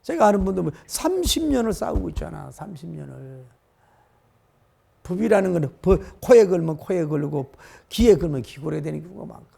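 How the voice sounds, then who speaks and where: A middle-aged man preaches a sermon in a high, gravelly voice. He presses his congregation with repeated rhetorical questions and emphatic turns. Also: big pitch swings, fairly quick, warm tone. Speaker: pastor.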